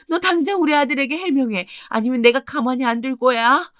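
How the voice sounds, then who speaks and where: A woman's voice: high-pitched, brisk, fairly bright tone, dry recording, clean studio sound, voice pushed up. A woman voicing a domineering older mother-in-law who scolds indignantly. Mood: angry scolding.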